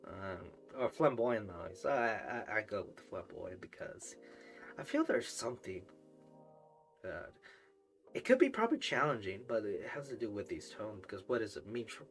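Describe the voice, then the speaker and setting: A woman reading weather definitions aloud on a livestream, halting and correcting herself as she goes. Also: very deep voice. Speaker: streamer practicing reading.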